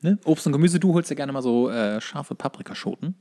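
A man's voice: fairly high pitch, expressive, a little fast, mellow. A man chats casually as a podcast co-host, dropping in wry, joking remarks. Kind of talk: casual banter.

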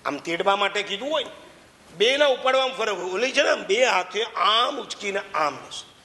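A man delivers an animated sermon, speaking straight to his listeners in a high, bright, forceful voice. The sound carries the long reverb of a large hall, with faint ambience behind it. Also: moderate pace. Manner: animated, addresses listeners directly. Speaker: preacher. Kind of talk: sermon storytelling.

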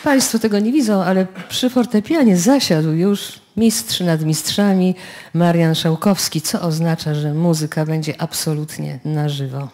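Lowish voiced woman radio host doing a live stage intro, pretty noisy recording. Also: unhurried. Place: music radio studio with an audience.

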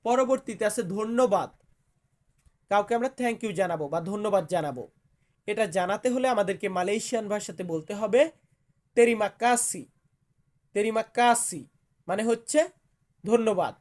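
A man teaching vocabulary in a slow lesson, repeating each word and its meaning with care. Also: high-pitched, lively intonation, darkish tone. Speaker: language teacher.

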